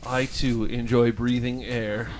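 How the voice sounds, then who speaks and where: A man's voice: mid-range voice, level tone, slow pace, noisy background, lightly acted. A man on a game stream voicing a male robot faking being human, in stiff, overly formal phrasing. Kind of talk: joking bit during a game stream.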